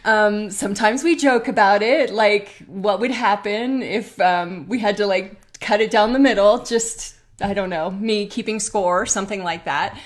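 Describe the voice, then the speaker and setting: A woman's voice: mid-range voice, measured pace, hardly any pauses. A woman hosting a live online talk with her husband. She speaks candidly and chattily, laughing often as she asks questions. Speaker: host. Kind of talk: live-stream conversation.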